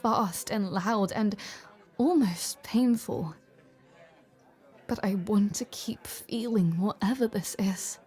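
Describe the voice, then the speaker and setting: A woman playing an icy war general softened by love in an audio roleplay, speaking in a hesitant, breathy, confiding way, wistful and vulnerable. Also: medium pitch, faint music behind. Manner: hesitant, halting, breathy half-whispered confiding. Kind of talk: dramatic audio roleplay acting, intimate confiding dialogue.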